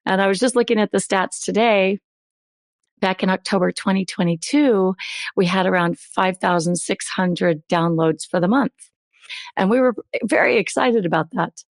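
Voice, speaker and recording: A middle-aged woman hosting a podcast with a hoarse voice that is still recovering, chatting in an upbeat way. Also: medium pitch, normal speed, dry recording. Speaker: podcast host. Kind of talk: podcast intro, casual chat.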